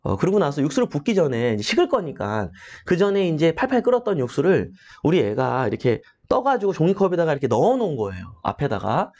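A man's voice: a little high, big pitch swings, fast, hardly any pauses, darkish tone, dull audio. A middle-aged man hosting a live morning talk on property auctions, telling a personal story and turning to address his listeners directly. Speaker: real estate auction educator hosting a live morning show. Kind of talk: motivational talk with a personal anecdote.

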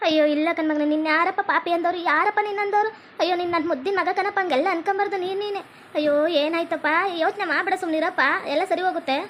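A woman's voice: very high-pitched, a little hiss or hum. A woman playing a fussing rural old mother, wailing and scolding. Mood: soothing. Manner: wailing and scolding, quick sing-song lament. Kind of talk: village comedy skit acting.

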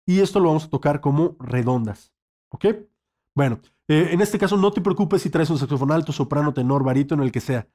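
A man leads an online saxophone lesson. His voice sits a little high, and he speaks patiently, checking in often with the student. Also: animated, a little fast, a little mellow. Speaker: saxophone teacher.

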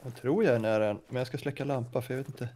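Co-player, man, easygoing and chatty, medium everyday pitch. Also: fairly even intonation, warm tone. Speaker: co-player and guest. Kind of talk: casual gaming chat.

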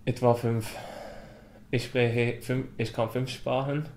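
A man's voice: medium pitch, little pitch movement, takes it slowly, a little mellow. A man in his twenties, a native Arabic speaker with an Arabic accent, giving earnest interview testimony. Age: 20s. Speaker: interviewee, young migrant. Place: medium-sized room with plants and bookshelves. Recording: roomy, echoing camera sound.

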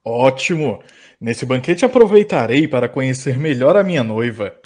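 Man playing a husky, proud young suitor. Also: medium pitch, animated, normal speed, darkish tone, close to an everyday voice. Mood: honored, eager. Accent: Brazilian. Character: proud, formal young suitor king, eager to wed. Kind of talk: comedic audio drama acting.

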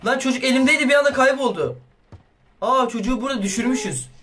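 A young man commentating a horror game as a YouTuber, excitable and swearing playfully at the baby. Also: extremely high pitch, quick pace. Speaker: gaming YouTuber. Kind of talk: let's play commentary.

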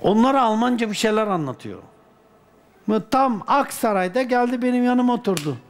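A man from Turkey, a dervish, telling a personal anecdote in a colloquial, lively way with folk sayings. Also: very high voice, brisk. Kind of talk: casual spoken anecdote.

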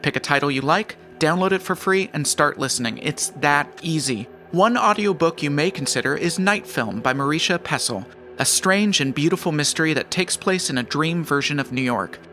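Podcast sponsor read: male, slightly high pitch, bright forceful tone, light music underneath. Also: animated, normal speed. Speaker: podcast creator reading sponsor message.

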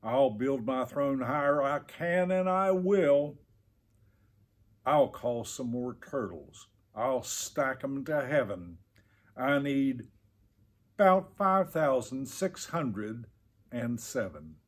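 A man's voice: medium pitch, expressive, slow pace. A man voicing a pompous, tyrannical turtle king from a children's storybook, bellowing grandly. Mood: indignant, bellowing.

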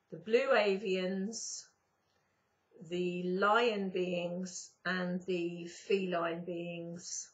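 Croaky-voiced woman channeling star beings. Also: lowish voice. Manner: slow, drawn-out phrasing with pauses. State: croaky morning voice. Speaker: spiritual channeler and YouTuber. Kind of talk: casual spiritual monologue to camera. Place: indoors, sitting on a sofa at home. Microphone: webcam at close range. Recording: slightly dull webcam audio.

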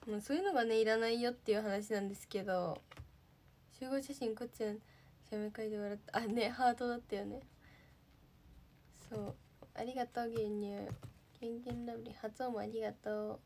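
A woman's voice: fairly high pitch, steady tone, a little fast, long pauses, darkish tone, a little hiss or hum. A young woman from Japan, a livestreaming idol, chatting casually and thanking viewers as she reads their comments.

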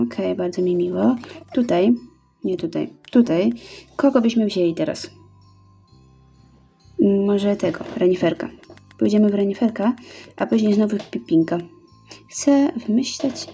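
Mellow-voiced woman chatting through a game. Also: mid-range voice, creaky. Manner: chatty, reads orders aloud and counts out steps. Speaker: gaming YouTuber. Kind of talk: casual let's-play commentary.

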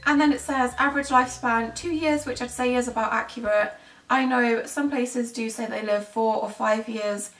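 A British woman in her twenties talks casually to the camera in a bedroom. Her voice sits fairly high, and the sound is roomy, picked up a little way from the microphone. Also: fairly even intonation, moderate pace, a bit bright. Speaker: pet-care vlogger. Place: small bedroom indoors. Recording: roomy echo, distant microphone, faint music.

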